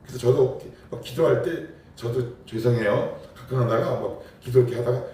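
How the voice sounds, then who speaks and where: A pastor preaches a morning prayer sermon in a church sanctuary, speaking emphatically and piling up rhetorical questions for his congregation. His mid-range voice is mellow at a normal speed, recorded in a very echoey hall with the mic far off and faint noise.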